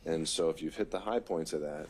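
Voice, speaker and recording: A man's voice: extremely low pitch, a little fast, a little mellow, slight background noise. A man presiding as judge, giving informal rulings from the bench in a plain-spoken, conversational way. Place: courtroom.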